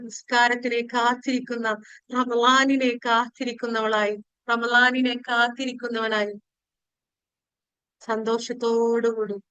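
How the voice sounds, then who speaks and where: High-voiced woman, slow and devotional. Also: fairly bright tone, clean tone, dry recording, highs cut off. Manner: slow, pleading, devotional delivery with drawn-out phrases and pauses. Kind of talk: guided spiritual meditation and prayer.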